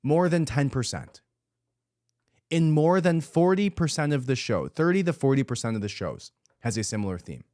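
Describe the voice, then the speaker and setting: A man's voice: mid-range voice, sing-song, brisk, few pauses, darkish tone, no room sound, clean studio sound. A man hosting a podcast, giving an emphatic, indignant commentary monologue and repeating his points for emphasis. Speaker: podcast host.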